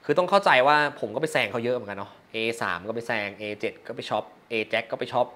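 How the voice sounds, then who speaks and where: A young man casually reviewing his own poker hands, lively and self-mocking, sprinkling English poker terms through his talk. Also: medium pitch, quick pace. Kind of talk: casual hand-review commentary.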